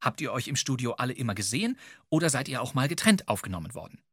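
A man's voice: mid-range voice, big pitch swings, fast, slightly rough, dry recording, clean studio sound. A man narrating a podcast segment from a script, wry and playful, addressing the listener directly. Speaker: podcast co-host.

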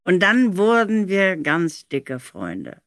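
An older woman recalling studio work in an animated, anecdotal way, with emphatic stress on key words. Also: lowish voice, slow, dry recording. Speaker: audio drama director recalling studio work.

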